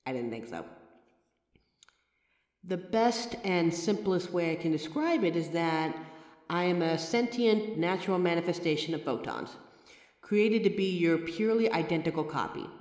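A patient, wry mirror reflection, voiced by a man, explains itself to the listener in a chatty roleplay. The delivery is lively, swinging widely in pitch. The room rings with echo and a long reverb tail. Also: normal speed, natural voice. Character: a person's own mirror reflection, a sentient light being, patient and wry. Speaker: audio roleplay voice actor. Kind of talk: scripted audio roleplay addressed to the listener.

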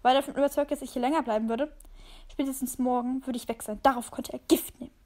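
A woman's voice: high-pitched, fairly even intonation, fast talker, mellow, lightly acted. A woman voicing a proud, prickly black cat who snaps back defiantly in a storybook reading. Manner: snappy, defiant outbursts.

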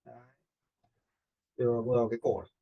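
A man teaching video editing in an informal screen tutorial. His voice is middle-pitched, raspy and full of fry. He goes step by step and keeps checking that viewers follow. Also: monotone, a little fast, lo-fi sound.

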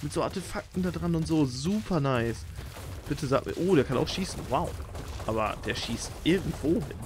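A young man giving excitable, slangy commentary while playing a video game as a channel host. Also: on the high side, normal speed, noisy background. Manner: excitable, slangy, frequent exclamations. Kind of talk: let's play commentary.

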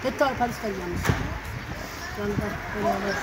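A woman's voice: mid-range voice, quick pace. A woman from Sorgun, a street personality who chants phrases over and over, swearing and blessing by turns. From Sorgun, Yozgat, Turkey. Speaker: street personality being filmed. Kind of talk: loud repetitive street banter. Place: outdoors in a city park. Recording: distant outdoor voice with loud street noise.

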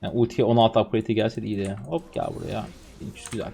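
A man in his twenties from Turkey, streaming a game and commenting on his play, swinging from low muttering to loud excited outbursts. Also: rapid-fire, gravelly, husky. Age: 20s. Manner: swings from muttering to shouting and laughing.

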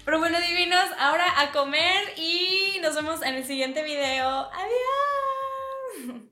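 A woman in her twenties with a Mexican accent, chatting excitably and casually like a vlogger in her kitchen. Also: very high voice, measured pace, soft background music. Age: 20s. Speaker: vlogger, prankster. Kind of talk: animated casual vlog chat and phone prank. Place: small home kitchen, indoors. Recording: roomy kitchen echo.

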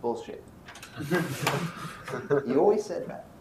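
A man's voice: medium pitch, measured pace. Older man lecturing in an echoey hall. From Brooklyn, New York. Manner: animated, checks in with students. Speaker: physics professor. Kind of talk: university lecture. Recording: roomy lecture hall, faint noise.

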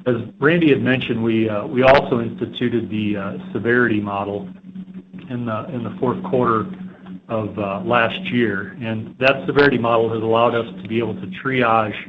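A man, an insurance executive, giving halting remarks on an earnings conference call, with many fillers. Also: medium pitch, steady tone. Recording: tinny phone line with faint hiss.

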